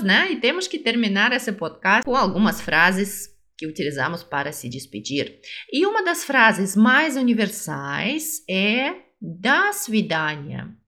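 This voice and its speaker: A woman teaching phrases on a podcast, modelling each one slowly and carefully and repeating it for the listener. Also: medium pitch, sharp tone. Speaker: language teacher. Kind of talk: podcast language lesson.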